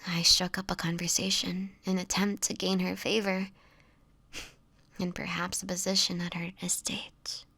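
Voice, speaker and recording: A woman's voice: fairly low pitch, flat delivery, bright, forceful tone, no room sound, exaggerated voice. Woman acting as a whispery, sorrowful vampire woman. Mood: somber recounting. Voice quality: breathy, whispery. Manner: halting, hesitant storytelling with pauses. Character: sickly, fearful homeless young vampire woman, sorrowful and hesitant. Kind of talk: intimate dramatic audio roleplay monologue.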